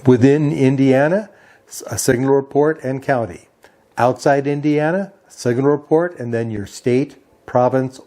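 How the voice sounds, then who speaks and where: A man with a relaxed, mellow voice presents an informational rundown. He works methodically through each item in a plain, explanatory manner, like a hobby host reading from notes. His pitch sits in an ordinary middle range. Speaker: amateur radio video host.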